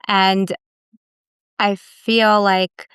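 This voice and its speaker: Woman, attorney guest, casual reflective talk, chatty fillers, dry sound, medium pitch. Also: level tone, drawn-out words, fairly bright tone, clean tone, dry recording. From United States. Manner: reflective, storytelling with many "like" fillers. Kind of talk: casual interview conversation.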